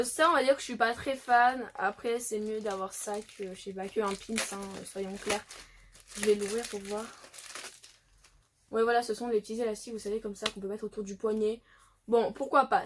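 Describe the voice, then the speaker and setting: A woman's voice: fairly high pitch, background noise. A woman vlogger chatting casually through an unboxing, thinking aloud with lots of fillers. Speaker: beauty vlogger.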